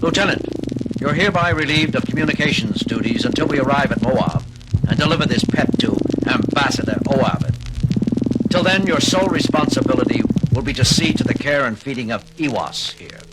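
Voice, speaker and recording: An actor playing a decisive, commanding starship captain under strain in a 1970s audio drama. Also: male voice, medium pitch, animated, brisk, heavy background noise, lightly acted. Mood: relieved, firm. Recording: 1979 children's vinyl record, music behind.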